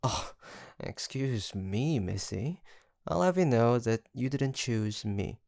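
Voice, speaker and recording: A man's voice: mid-range voice, animated, slow, creaky, a little mellow, no echo, clean studio sound. A man playing a sweet young male roommate and best friend in an intimate roleplay audio, teasing and chatty with a playful storytelling streak. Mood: amused, teasing. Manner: teasing, chuckling, mock-grandiose storyteller.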